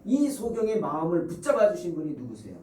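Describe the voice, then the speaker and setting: A man preaching a sermon as a pastor, animated, acting out scenes and asking the congregation questions. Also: high-pitched, quick pace, echoey room, recorded from a distance, slight background noise, poor audio.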